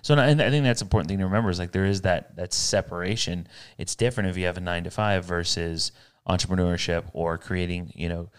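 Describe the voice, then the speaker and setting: A man's voice: deep voice, fairly even intonation, fast, hardly any pauses, clean tone. A middle-aged man co-hosting a casual podcast, talking in a rambling, upbeat way and often restarting his sentences. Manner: rambling, self-correcting, upbeat. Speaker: podcast co-host. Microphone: studio podcast mic.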